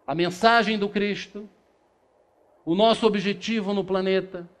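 Middle-aged guy giving a spiritist talk, fairly high voice, asks questions then answers them, small room, camera a ways off. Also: steady tone, unhurried. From Brazil. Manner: rhetorical questions answered himself, reading passages aloud, gesturing. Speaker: spiritist lecturer. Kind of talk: lecture to a seated audience. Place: small meeting room with a projector screen. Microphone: far camera, no handheld mic.

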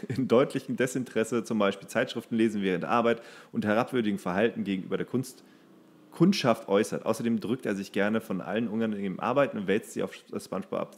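A man co-hosting a casual podcast, reading entries aloud and now and then stumbling over the words. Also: lowish voice. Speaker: podcast co-host.

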